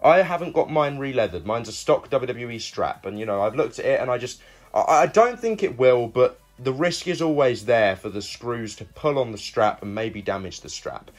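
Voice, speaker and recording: Young male, mid-pitched, conversational online reviewer talking casually to camera. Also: expressive, normal speed. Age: young adult. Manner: conversational, addresses viewers as guys. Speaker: video reviewer and host.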